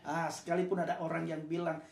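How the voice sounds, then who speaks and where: A man's voice: on the high side, little pitch movement, fast talker, creaky, a little mellow. A man interpreting speech into Indonesian for the audience and speaking to them directly. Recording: roomy echo.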